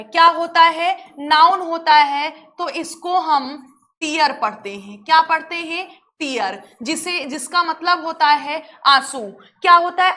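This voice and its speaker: Energetic woman English teacher, high bright voice, quizzes the class then answers herself. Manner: energetic, asks and answers her own questions. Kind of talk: online English lesson.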